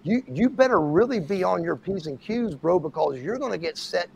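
High, gravelly man telling animated stories. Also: normal speed, slight background noise. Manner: animated storyteller, acts out quotes. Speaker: podcast host. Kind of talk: casual chat.

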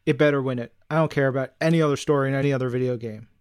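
A man's voice: mid-range voice, steady tone, racing, clear, resonant tone, no echo, clean studio sound. A man co-hosting a podcast in casual promotional fan chat, speaking with an enthusiastic, emphatic, jokey manner. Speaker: podcast co-host.

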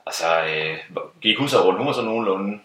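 A man's voice: lowish voice, slight background noise. A man telling a funny story about a gig he was hired to play, in casual chat, laughing often. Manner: lively, laughs often, acts out other people's voices. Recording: roomy sound from a distant mic.

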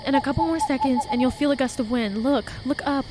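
A high voice gives us a wary, outspoken young woman acted by a woman in an audio drama. She is blunt and slangy, with faint night insects around her. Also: quick pace, noisy background, natural voice. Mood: keyed up. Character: wary, sharp-eyed, outspoken young woman lost in woods. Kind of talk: audio drama acting, casual dialogue. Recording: faint outdoor night ambience with crickets.

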